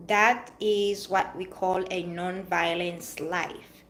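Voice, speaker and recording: A woman's voice: lowish voice, steady tone, takes it slowly, a bit bright, slight background noise. Earnest woman with a Haitian-French accent. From Haiti or France. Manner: earnest, preachy, repeats phrases for emphasis. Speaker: vlogger giving life advice. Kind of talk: motivational monologue.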